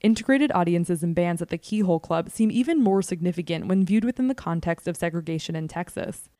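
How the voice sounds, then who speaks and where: Mellow, low-voiced American public radio host. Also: female voice, a little fast, no echo, clean studio sound. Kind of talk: scripted narration in a public radio host manner.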